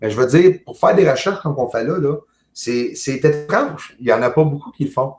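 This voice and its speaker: Man, Québécois French accent, jovial, halting with fillers, casual video call chat, echoey room. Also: mid-range voice, animated, a little mellow, faint music behind. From Quebec, Canada. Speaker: guest, amateur astronomer. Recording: roomy echo.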